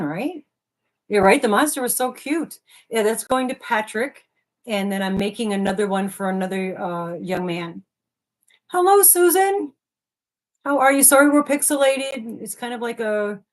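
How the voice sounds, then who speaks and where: Chatty, hyper woman hosting a livestream. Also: medium pitch. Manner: hyper, chatty, jumps between topics. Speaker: livestream co-host. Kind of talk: casual livestream chat.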